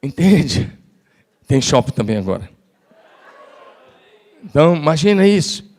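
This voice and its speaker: A man's voice: on the high side, sing-song, unhurried, darkish tone. A middle-aged man preaching a sermon in a large church, telling personal stories and building to emphatic exhortation. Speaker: pastor.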